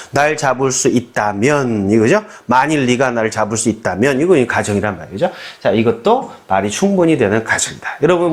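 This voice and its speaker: Male English teacher from Korea, higher-pitched and highly expressive, quizzes the viewer and acts out example lines. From South Korea. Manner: animated, keeps asking the viewer questions and acting out quoted lines. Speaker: English grammar instructor. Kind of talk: lively spoken grammar lecture.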